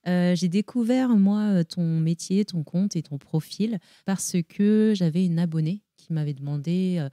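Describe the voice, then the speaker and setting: A woman's voice: fairly low pitch, measured pace, hardly any pauses, dry recording, studio quality. A woman hosting a podcast, reading a scripted intro in an upbeat way, then chatting with her guest. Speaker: podcast host. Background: soft music under the intro.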